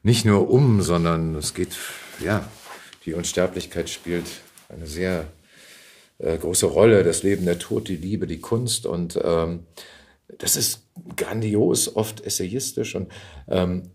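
A middle-aged man speaking as an interview guest in casual conversation, reflective and halting as he searches for words. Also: low-pitched, darkish tone, slightly rough.

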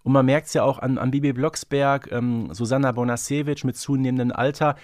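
A man's voice: medium pitch, fairly even intonation, fairly quick, darkish tone, no echo, clean studio sound. A man speaking conversationally as a podcast host in a fan discussion.

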